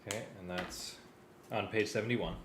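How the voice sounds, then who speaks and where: A man's voice: on the low side, steady tone, moderate pace. A man in a casual working discussion, hesitant and thinking aloud as he directs the planning. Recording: roomy echo, clicks, faint background noise.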